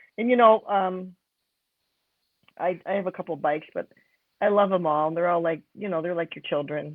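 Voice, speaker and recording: A woman with a fairly low pitch and ordinary pitch variation speaks with long, frequent pauses. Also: moderate pace. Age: 60s. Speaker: motorcycle rider. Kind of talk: casual interview chat. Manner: halting.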